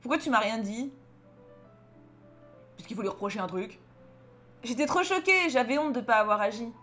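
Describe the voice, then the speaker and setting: A young adult woman with a French accent, chatting and joking loudly as she plays and reads a story game aloud. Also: a little high, moderate pace, faint music behind. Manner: chatty, expressive, joking, swings between loud outbursts and mutters. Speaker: streamer playing a story game. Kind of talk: casual gameplay commentary, reading game dialogue aloud.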